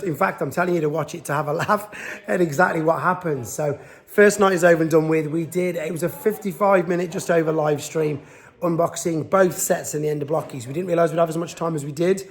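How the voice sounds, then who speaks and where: Here a man speaks a bit high and fairly quickly as he vlogs his way around a convention venue. The toy vlogger's chatter is rambling and full of restarts, and his voice is giving out.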